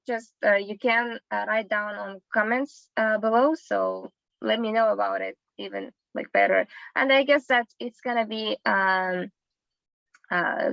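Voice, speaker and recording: A woman, a non-native English speaker, hosting an interview in English and asking halting questions with many fillers and pauses. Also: medium pitch, vocal fry, no echo, lo-fi sound. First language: not English. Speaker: host, English teacher.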